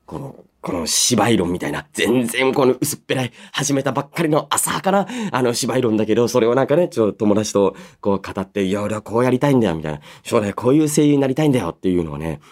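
A man's voice: medium pitch, lively intonation, fast, hardly any pauses, darkish tone. A man in his thirties hosting a radio show solo, reading listener mail and musing aloud in a polite but casual way.

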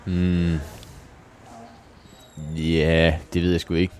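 Very low-voiced hesitant man. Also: a little hiss or hum. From Jutland, Denmark. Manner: hesitant, restarting often, calm and modest. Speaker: professional cyclist. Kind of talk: interview answers.

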